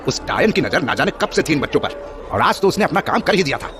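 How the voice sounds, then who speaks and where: Self-righteous village man, high-pitched, swooping. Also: very animated, fast, over music. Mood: earnest, insistent. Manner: scolding, harsh, accusatory. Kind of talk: Hindi horror audio drama acting. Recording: noisy crowd and street ambience behind.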